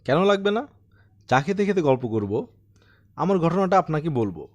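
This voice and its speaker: Guy doing an old retired book lover in an audiobook, polite but insistent, chatty, lively pitch. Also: moderate pace, dull audio. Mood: eager, courteous. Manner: courteous, conversational storytelling. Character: talkative, bookish retired old widower, courteous and insistent.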